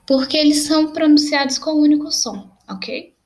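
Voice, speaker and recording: A young adult woman teacher with a Brazilian Portuguese accent, patiently explaining grammar in a video lesson and slowly spelling out examples. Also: high voice, darkish tone.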